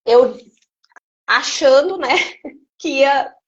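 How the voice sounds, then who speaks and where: A woman, a guest giving an emotional personal testimony in an animated storytelling way. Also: sits high, drawn-out words, highs cut off. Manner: animated storytelling, acting out quoted speech. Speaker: interview guest.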